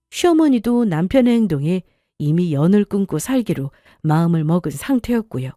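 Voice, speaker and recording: A woman's voice: medium pitch, mellow, dry recording, clean studio sound. Woman narrating a first-person story.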